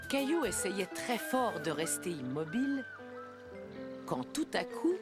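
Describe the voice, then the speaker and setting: A woman playing the gentle storyteller of a children's cartoon, reading scripted narration. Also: mid-range voice, big pitch swings, unhurried, over music.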